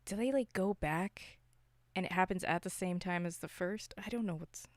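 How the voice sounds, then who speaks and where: A podcast host chatting casually about films and games in an animated, self-interrupting way with some mild swearing. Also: mid-range voice, moderate pace, no echo. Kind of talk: casual film and game discussion.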